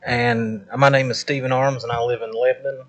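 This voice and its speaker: A man giving a prepared public statement at a meeting, measured and formal as he lists his points one by one. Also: medium pitch, little pitch movement, a bit bright, low-quality recording. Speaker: public commenter at a school board meeting.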